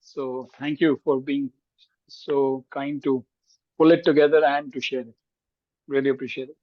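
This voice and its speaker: A man joining an online meeting to give warm thanks, with many fillers. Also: medium pitch, flat delivery, normal speed, no room sound. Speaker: meeting participant. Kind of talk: casual online meeting chat. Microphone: video call. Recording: slightly dull call audio.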